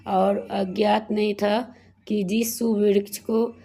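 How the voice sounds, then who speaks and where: A woman with a cold-roughened, hoarse voice tells a devotional story at an unhurried pace. Her pitch stays flat and level throughout, and she rambles a little with restarts and fillers, speaking to her viewers as friends. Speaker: devotional YouTuber.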